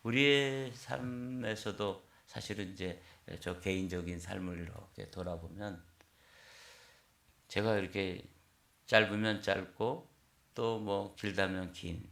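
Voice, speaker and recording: A man's voice: on the low side, fairly even intonation, slow, vocal fry, fairly bright tone. A man in his sixties, a pastor, preaching an early-morning sermon in a conversational storytelling way, recorded in an echoey church. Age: 60s. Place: church sanctuary.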